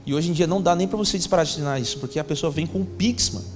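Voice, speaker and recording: A high-voiced man. He tells stories with animation and slips into casual slang while voicing each side of a conversation. Soft music plays faintly behind him. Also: rapid-fire. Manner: animated storyteller, acts out dialogue, slangy. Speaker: pastor. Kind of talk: sermon storytelling.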